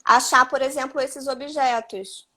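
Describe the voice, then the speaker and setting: A Brazilian Portuguese-speaking psychologist gives parenting advice on a live stream, frequently tacking on tag questions. Her voice is high and sharp, with fairly even intonation and a measured pace, and it sounds like it was captured over a phone or video call.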